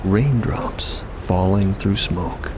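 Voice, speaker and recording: A man reading scripted story narration, with clear ambient noise running behind his voice. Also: low voice, extremely slow.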